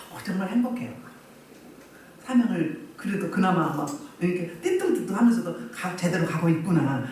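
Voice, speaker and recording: A woman pastor preaches with insistent repetition and frequent questions to her listeners. Her pitch rises and falls widely as she presses each point. She is heard from some distance in a strongly reverberant church hall. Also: darkish tone, a little hiss or hum. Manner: emphatic, repeats phrases, asks the congregation questions. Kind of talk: sermon. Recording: echoey hall, mic at a distance.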